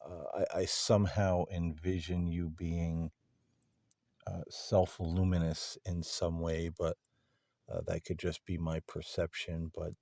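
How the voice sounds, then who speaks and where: A man hosting a paranormal session, politely and haltingly putting spontaneous questions to unseen beings. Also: low voice, flat delivery, creaky, mellow, dry recording, clean studio sound. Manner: polite, tentative, halting with pauses.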